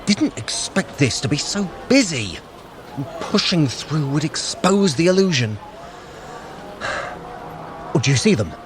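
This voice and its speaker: A sly trickster god guides a runner through an audio drama. The pitch moves freely as he gives furtive, commanding instructions, over clear outdoor bustle. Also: sing-song, unhurried, pauses often, background noise. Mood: urgent, furtive. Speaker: workout guide.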